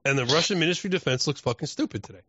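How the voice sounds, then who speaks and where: A man's voice: fairly high pitch, expressive, racing, fairly bright tone, husky, no room sound. A man co-hosting a podcast in casual chat, blunt and profane. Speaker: podcast co-host. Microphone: close podcast microphone, often spoken into off-axis. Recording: dull close-miked podcast audio.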